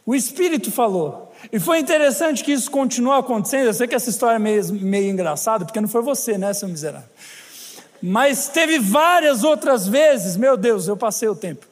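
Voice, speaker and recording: Brazilian male pastor, very high voice, funny storyteller, preaching in a reverberant church hall. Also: animated, fairly quick, few pauses. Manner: humorous storytelling, chatty asides to the congregation. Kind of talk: sermon.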